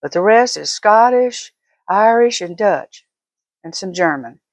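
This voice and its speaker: A woman's voice: medium pitch, expressive, a little slow, no echo. An older woman vlogger talking casually and giving opinions in an emphatic, folksy, fussing manner.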